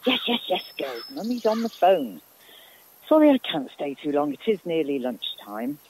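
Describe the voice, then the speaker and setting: Woman playing a harried, cheery British mum, lively. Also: deep voice, normal speed, husky, full character voice. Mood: distracted, grateful. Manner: effusive, distracted. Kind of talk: radio drama phone call. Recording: noisy outdoor phone call.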